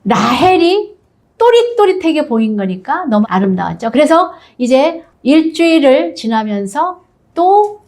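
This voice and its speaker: A woman pastor preaching a sermon with animated storytelling, acting out the figures as she retells the story. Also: high voice, unhurried.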